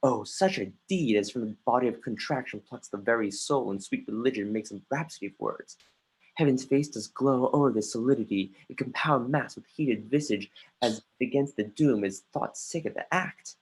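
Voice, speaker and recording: A husky, mid-pitched voice plays an anguished young prince in an actor's stage reading. The delivery is declamatory Shakespearean verse, accusing and scornful. It moves between muttering and outbursts, with the odd stumble over a line. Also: normal speed, natural voice, low-quality recording. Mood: bitter, reproachful. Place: remote livestream from home.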